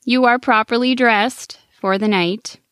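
A woman voicing a patient, gently firm fox aunt in a storybook, speaking lower and softer. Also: fairly even intonation, unhurried, smooth, dry recording.

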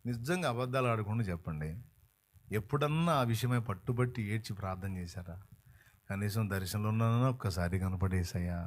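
A man preaching a sermon as a pastor, telling a story fervently and swinging between hushed and loud passages. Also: on the low side.

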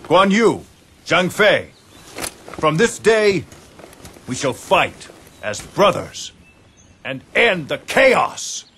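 A man's voice: fairly high pitch, sing-song, drawn-out words, pauses often, a bit bright, a little hiss or hum, exaggerated voice. A man voicing an earnest leader who rallies his sworn brothers in a rousing way in a video game cutscene.

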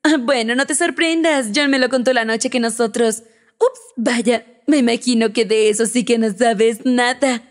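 Woman reading as a nasty tipsy gal sneering and gloating, higher voice, lots of scornful laughs. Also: fairly even intonation, normal speed, close to an everyday voice. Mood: mocking. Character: drunk, spiteful woman taunting a rival. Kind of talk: audiobook character reading.

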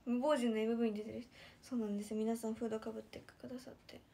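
A woman's voice: fairly high pitch, flat delivery, rapid-fire, warm tone. A young woman chatting casually on a live stream, giggling and thanking viewers one by one.

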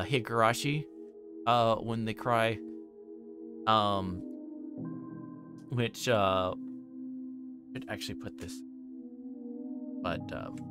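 A man livestreaming a visual novel, moving between quiet reading aloud and halting, casual chat. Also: fairly low pitch. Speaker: livestreamer playing games.

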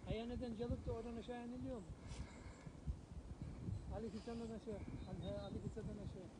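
A man chatting casually outdoors on a mountaintop, speaking quickly from away from the camera. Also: high-pitched, level tone. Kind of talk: casual chat. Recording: distant voice on a phone with loud outdoor noise.

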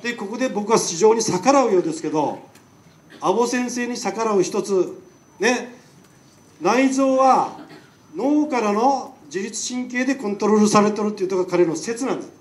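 A man's voice: high voice, lively intonation, normal speed. A man with a Nagasaki accent giving a public lecture as a doctor, chatty and firing rhetorical questions at the audience. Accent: Nagasaki dialect. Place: lecture hall. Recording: echoey hall, mic far off.

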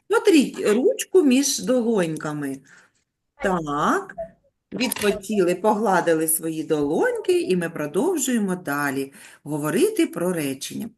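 Woman teacher leading an online lesson for small children, lively rising and falling voice, gentle praise. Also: mid-range voice, a little hiss or hum. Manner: patient, coaxing, praises with pet names. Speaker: primary school teacher.

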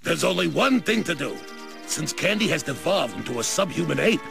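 Gravelly, pompous old wizard. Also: male voice, a little high, very animated, a little fast, full character voice. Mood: dramatic. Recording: loud music behind.

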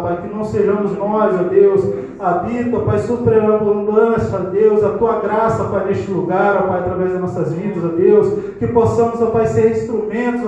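A man's voice: sits high, mellow. A man in his thirties leading a fervent church prayer on a handheld mic, repeating "ó Pai" and "ó Deus" between phrases. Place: small church hall, indoors. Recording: very echoey room, slightly dull sound.

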